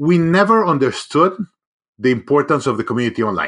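A man speaks with a Spanish accent at a moderate pace in a fairly high voice. The background is quiet. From Mexico (Mexico City). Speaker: entrepreneur and business coach. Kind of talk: interview. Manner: halting, with repetitions and fillers.

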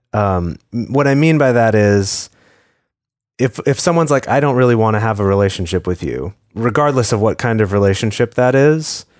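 Here is a man with an ordinary speaking voice at a medium pitch. He moves at a moderate pace with lively intonation. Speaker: podcast host. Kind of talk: casual chat. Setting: video call.

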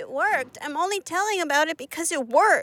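A woman uses a put-on character voice at an extremely high pitch, bright and sharp in tone. She speaks at a moderate pace with a dry, close sound and no echo.

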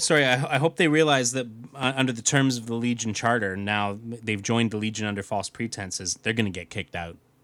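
A man with an unremarkable speaking voice goes at a fairly quick pace, his medium pitch varying in an ordinary way. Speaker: podcast host. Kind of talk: casual chat.

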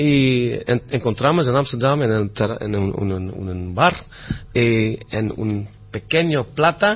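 A man speaks very slowly with a Dutch accent and a somewhat breathy voice. His pitch is medium and his intonation lively. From Netherlands. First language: Dutch (speaking Spanish). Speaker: orchestra conductor. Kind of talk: radio interview. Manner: halting.

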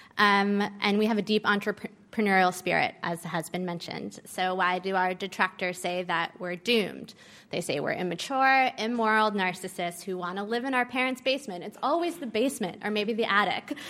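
Her bright, sharp tone sits at a medium pitch, with ordinary pitch variation and a fairly quick pace. The woman is heard on a very clean recording with a silent background. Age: 30s. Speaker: journalist and novelist. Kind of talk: formal debate. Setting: stage with audience.

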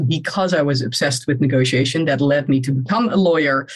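A woman with a Dutch accent speaks at a very deep, low pitch. Noticeable background noise is present. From Netherlands. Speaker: negotiation coach. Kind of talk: interview. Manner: animated.

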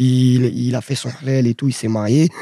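Recorded with a dry, close sound with no echo and a quiet background, a man speaks at medium pitch and a moderate pace in a dark, mellow tone. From Paris banlieue (20e, then Val-d'Oise). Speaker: street reporter and influencer. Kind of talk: casual interview chat.

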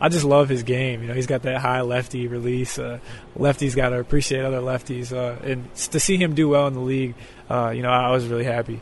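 Noticeable background noise sits behind a fairly quick voice with monotone, flat intonation. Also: man. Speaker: basketball player, draft pick. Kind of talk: casual interview. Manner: articulate, polished.

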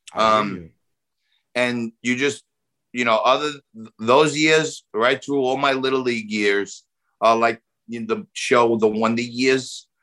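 A man with a New York accent, a bright, sharp tone and medium pitch with ordinary variation, at a very slow pace with long, frequent pauses, on a very clean recording with a silent background. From Staten Island, New York. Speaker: TV finance host and Wall Street veteran. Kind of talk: casual interview chat.

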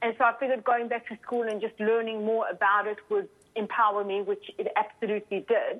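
A woman talks at a fairly quick pace in a fairly high pitch. Her intonation stays fairly even. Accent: South African. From South Africa. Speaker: high performance coach. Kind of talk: interview.

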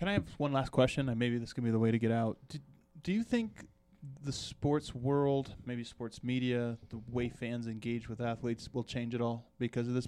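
In a normal speaking voice, a man delivers his words at a moderate pace. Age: 30s. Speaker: basketball reporter. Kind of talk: casual chat.

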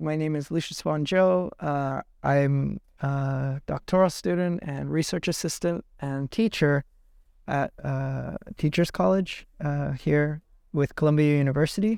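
Using a normal speaking voice, a man talks at a fairly slow pace, his fairly high pitch showing ordinary variation. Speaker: educator. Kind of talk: interview storytelling.

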